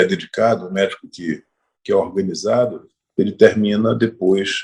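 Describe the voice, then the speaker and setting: A man talks at a fairly slow pace. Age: 60s. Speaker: ophthalmologist and politician. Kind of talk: casual interview conversation. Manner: halting, many repetitions and fillers.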